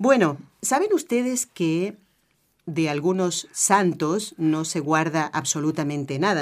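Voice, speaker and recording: A woman talks at a fairly slow pace with a fairly low pitch and lively intonation, in an unremarkable speaking voice. The recording is very clean, with a silent background. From Argentina. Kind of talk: religious radio talk; interviewing children.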